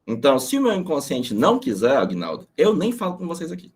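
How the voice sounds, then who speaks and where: A middle-aged Brazilian man teaches an informal online class, telling casual, profane stories in an animated way. His voice is a little high and he talks fast.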